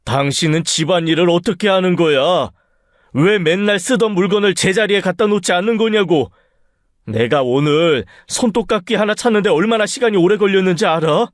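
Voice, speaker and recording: A man's voice: high voice, lively intonation, fairly quick, dry recording, studio quality. A man voicing an irritable, sick middle-aged husband who harshly scolds his wife in a radio story drama. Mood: nagging. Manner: harsh, nagging, rising to shouts.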